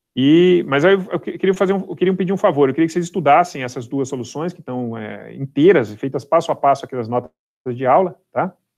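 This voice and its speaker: A man's fairly high voice at a very fast pace over a quiet background. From Brazil, Minas Gerais. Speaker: university lecturer. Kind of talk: lecture. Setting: online class with screen sharing. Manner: halting, many fillers. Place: home room. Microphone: webcam.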